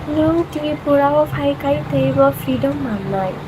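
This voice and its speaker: A woman's voice: sits high, normal speed, noisy background. A young woman from Bangladesh, a vlogger chatting casually on a live stream, answering viewer comments and laughing often.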